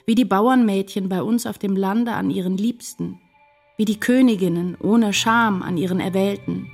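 A woman's voice: medium pitch, fairly even intonation, normal speed, gravelly, a little mellow. Anxious, tender woman narrator with music. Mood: longing, resolute. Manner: intense, confessional first-person storytelling. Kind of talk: literary radio drama narration. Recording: music behind the voice.

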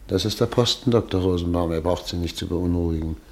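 An actor playing a calm, protective doctor in a prison camp radio drama, soothing and steady. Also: male voice, low-pitched, fast, gravelly. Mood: reassuring. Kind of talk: German radio drama acting.

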